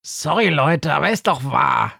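A man's voice: on the high side, lively intonation, a little slow, vocal fry, pushed and bright, breathy edge, no echo, studio quality, pitched above the performer's own voice, exaggerated voice. A man voicing a small winged male creature who talks in an eager, pushy way.

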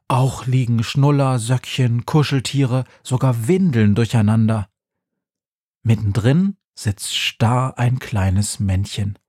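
A man narrating a children's story in a calm, measured way. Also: mid-range voice, breathy edge, no room sound, clean studio sound. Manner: calm, slow, measured reading.

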